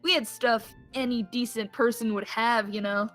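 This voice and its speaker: A woman's voice: fairly high pitch, fairly even intonation, moderate pace, a bit bright, soft background music, natural voice. Woman doing a chirpy male villager. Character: cheery male villager, sporty older brother.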